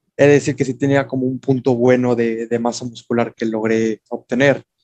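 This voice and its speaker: With an ordinary speaking voice and medium pitch, a man talks at a moderate pace with fairly even intonation in a dry, close sound with no echo. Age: 20s. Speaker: bodybuilding athlete. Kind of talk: casual chat.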